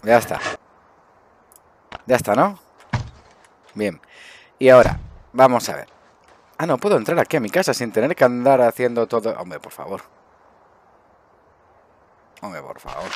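A middle-aged gaming video host with a Spanish accent, his voice medium-pitched and animated, speaks at normal speed with long pauses. Seated indoors at a desk on webcam, he offers casual, improvised gameplay commentary, thinking aloud and muttering questions to himself over slight background noise.

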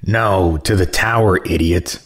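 Very deep, gruff, hostile drifter. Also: male voice, a little slow, a bit bright. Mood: gruff, suspicious. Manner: blunt, foul-mouthed. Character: bald bearded homeless rival contestant, gruff and hostile.

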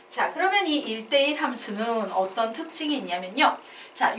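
Lively woman teaching math in echoey room. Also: on the high side. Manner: lively, drills students with call-and-response chanting; mixes casual and polite speech. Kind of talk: classroom math lecture. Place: classroom. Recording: echoey classroom, far from mic, noisy.

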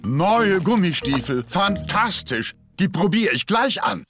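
A man's voice: high voice, very animated, takes it slowly, heavily acted. A man voicing a jolly, good-natured father pig in a cartoon dub. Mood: delighted. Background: loud music.

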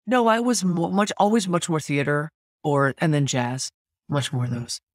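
A woman in her sixties from California, a stage actress and singer, chatting as a podcast guest and telling lively stories full of restarts and asides. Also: low-pitched, no echo, studio quality. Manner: animated storyteller, quick restarts and asides. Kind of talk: casual interview chat.

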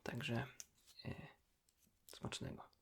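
A man whispers softly and intimately, in an unhurried ASMR chat as if to a friend. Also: heavy background noise. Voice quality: soft breathy whisper. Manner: hushed, intimate, unhurried, addressing the listener as a friend. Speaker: ASMR creator, host.

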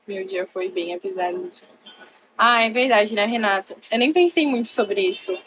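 A woman's voice: medium pitch, moderate pace, fairly bright tone, slight background noise. A young woman hosting a casual live stream from her bedroom, chatting with viewers and thanking them by name. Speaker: livestream host. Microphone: laptop.

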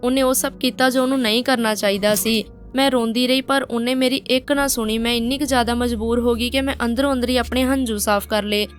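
A woman's voice: a little high, steady tone, a little fast, few pauses, soft background music. A woman narrating a painful first-person story in a plain, direct way.

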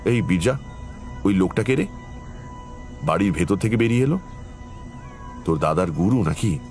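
Very deep, brooding storyteller. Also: male voice, lively intonation, a little mellow, soft background music. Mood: curious. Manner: measured, brooding. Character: brooding male tantric storyteller recalling eerie village tale. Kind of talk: dramatic first-person horror narration.

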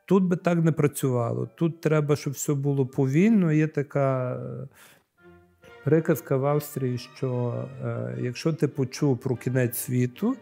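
A man's voice: medium pitch, measured pace, vocal fry, soft background music. A man in his forties, a priest from Ukraine, answering interview questions thoughtfully with hesitant fillers and recorded on a lapel mic. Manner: thoughtful, hesitant fillers, lively when acting out scenes. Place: library studio, then outdoor courtyard.

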